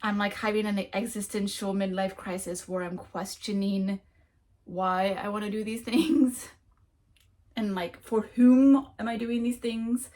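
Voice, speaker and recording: A woman's voice: medium pitch, fairly even intonation, unhurried, a little mellow. Rambling woman full of ums. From United States. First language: French. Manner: rambling, with frequent ums and restarts. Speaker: book vlogger. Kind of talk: casual monthly reading wrap-up.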